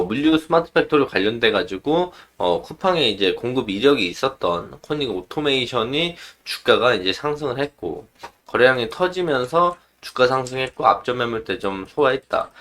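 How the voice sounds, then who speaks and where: Man with lively, swinging intonation, explaining charts. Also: mid-range voice. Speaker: stock analyst presenter. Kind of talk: informal stock chart commentary.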